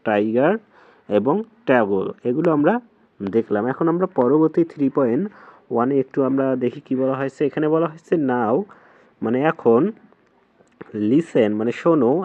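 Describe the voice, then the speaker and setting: A man's voice: medium pitch, dry recording, phone-quality sound. Patient Bangladeshi man teaching a lesson. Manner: slow, patient, repeats and splits English words into syllables. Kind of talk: textbook lesson explanation.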